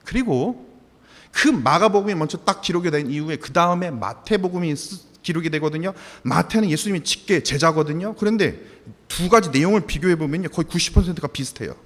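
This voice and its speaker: A man in his forties delivers a sermon in a church sanctuary. His voice sits high and ranges widely as he pushes rhetorical questions at the congregation. A long reverb trails each phrase. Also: lively intonation, brisk, fairly bright tone. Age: 40s. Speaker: pastor.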